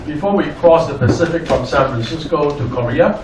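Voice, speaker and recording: Older man, very slow lecture delivery, distant echoey noisy recording. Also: on the high side. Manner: deliberate, simply worded. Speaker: guest lecturer, clinical psychologist. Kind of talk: lecture given in short phrases for an interpreter. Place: echoey indoor venue.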